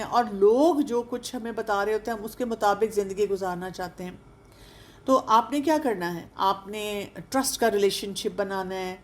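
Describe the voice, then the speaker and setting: A woman counselor giving an earnest advice talk to older listeners, coaxing them with rhetorical questions and mixing English words into her speech. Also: mid-range voice. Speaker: counselor and speaker on aging.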